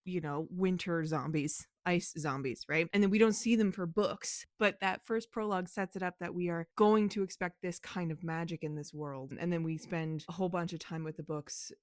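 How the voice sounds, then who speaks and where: Chatty woman with a lowish, dry voice. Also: normal speed, few pauses, no echo. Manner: animated, swearing, laughing often. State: losing her voice a little. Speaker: book vlogger and author. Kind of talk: casual chatty vlog.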